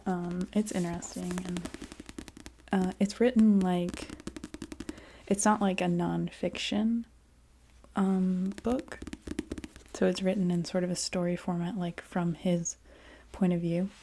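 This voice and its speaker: A woman chatting casually in a soft ASMR voice that often drops into a whisper. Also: lowish voice, little pitch movement, slow, long pauses, noisy background. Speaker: ASMR video creator. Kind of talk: soft-spoken ASMR, casual rambling chat.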